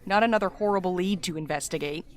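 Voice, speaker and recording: A woman's voice: on the low side, fast talker, a little mellow, natural voice. A woman playing a blunt, sardonic, protective courier in naturalistic audio drama dialogue. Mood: exasperated. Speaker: lead actor in audio drama.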